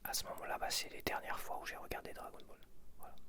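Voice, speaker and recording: Male ASMR host from France, fully whispered and breathy; intimate, unscripted rambling with halting phrasing, spoken to one listener. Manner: hesitant, halting, intimate, addresses one viewer informally.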